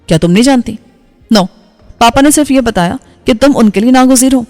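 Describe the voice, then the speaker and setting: A woman voicing a bold, forward young woman who talks quickly and frankly. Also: on the high side, lively intonation, a little mellow, long reverb tail, faint music behind, close to an everyday voice.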